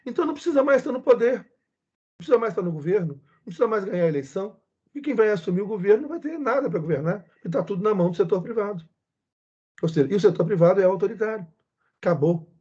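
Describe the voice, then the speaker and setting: A man's voice: sits high, dark tone, husky, highs cut off. A middle-aged Brazilian man lecturing online with emphatic repetition and constant tag questions. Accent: Brazilian Portuguese. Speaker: university lecturer.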